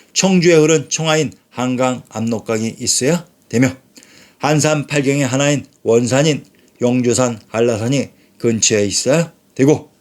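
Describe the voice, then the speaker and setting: A man giving a scripted narration on history, steadily reading quoted passages in a lecturing manner. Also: medium pitch. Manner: steady lecturing delivery, reading quotations aloud. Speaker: channel narrator.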